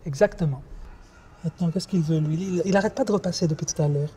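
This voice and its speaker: A man's voice: on the high side, quick pace, dark tone, breathy edge. An actor playing a proud, blunt Algerian trans woman who works the street, in a scene from an ethnofiction film. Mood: defiant. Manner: defiant, blunt street talk.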